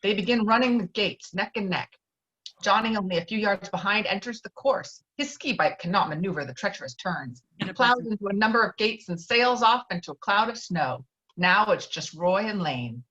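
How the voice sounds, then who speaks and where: Woman reading out script directions, medium pitch, slightly dull online call sound. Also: animated, moderate pace, bright, forceful tone. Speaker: stage directions narrator. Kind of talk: scripted narration of screenplay directions.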